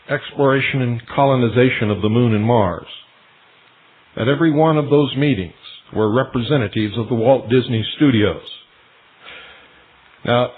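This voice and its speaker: A male radio host delivering a solemn, deliberate monologue, speaking straight to his listeners as ladies and gentlemen. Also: medium pitch. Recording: tinny shortwave radio broadcast.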